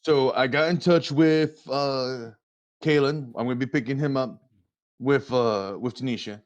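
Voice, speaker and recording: A man's voice: mid-range voice, fairly even intonation, a little slow, dull audio, natural voice. A man voicing a boisterous young bro in a tabletop game, talking in swaggering slang. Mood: excited.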